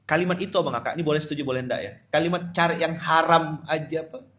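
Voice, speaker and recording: A man preaching a lively sermon to a live audience, swinging between loud exclamations and soft asides and joking with the crowd. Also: on the high side, fast. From Indonesia. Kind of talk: lively sermon at a dawn study gathering.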